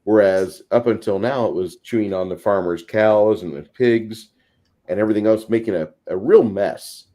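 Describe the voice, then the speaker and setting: A man's voice: lowish voice, normal speed, dark tone. A man in a casual panel discussion, explaining at length in wordy, slightly formal phrasing. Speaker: tabletop gaming discussion panelist.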